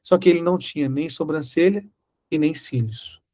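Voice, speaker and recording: A man's voice: a little high, moderate pace, darkish tone. A man preaching a sermon, telling a personal story and acting out the dialogue. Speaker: Bible teacher.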